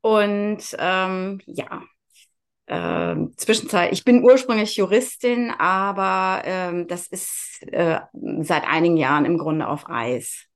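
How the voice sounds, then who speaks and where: A woman in her fifties from near Cologne, telling her personal story openly as a podcast guest, with frequent pauses. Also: on the low side, creaky. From Germany, near Cologne. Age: 50s. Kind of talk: casual interview chat.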